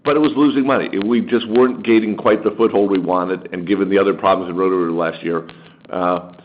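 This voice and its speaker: A male executive gives an unscripted answer on an earnings call. His voice is low and his delivery halting, circling back and restarting. The sound is dull and muffled, with faint noise. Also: steady tone. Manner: halting, rambling, backtracks and restarts often. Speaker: company executive.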